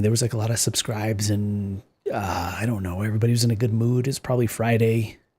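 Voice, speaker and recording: This man talks at a medium pitch. There's a somewhat breathy quality to his voice. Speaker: livestreamer. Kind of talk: casual livestream chat reading viewer comments.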